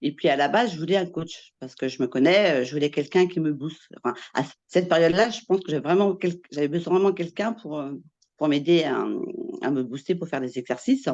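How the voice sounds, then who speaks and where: A woman's voice: low-pitched, quick pace, a little mellow, lo-fi sound. A woman in her fifties, from Portugal, giving a casual testimonial about her coaching. She talks hesitantly, with many restarts, and laughs easily. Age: 50s.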